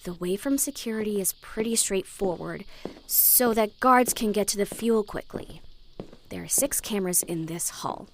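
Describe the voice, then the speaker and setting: A woman's voice: medium pitch, normal speed, slight background noise, close to an everyday voice. An actress playing an intense, sweary, perfectionist young woman and protective older sister in a sci-fi audio drama. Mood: tense, focused muttering. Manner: muttering to herself, self-critical.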